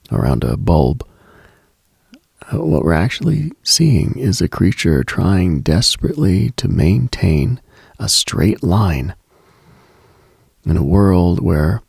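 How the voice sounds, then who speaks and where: A man hosting late-night radio with a slow, reflective monologue, measured and contemplative with deliberate pauses. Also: sits low, vocal fry, darkish tone, husky, no room sound, studio quality.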